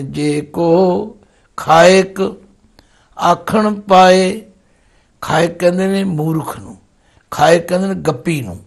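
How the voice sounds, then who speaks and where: A middle-aged man giving devotional scripture commentary, chanting verses slowly before explaining them. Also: sits high, creaky. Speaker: Sikh scripture expounder.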